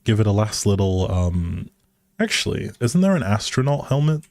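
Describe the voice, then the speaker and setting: A man's voice: on the low side, very animated, normal speed, creaky, darkish tone, dry recording. A man hosting a game livestream, chatting casually and thinking aloud in an easygoing way as he plays. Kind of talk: casual livestream commentary while playing a life simulation game.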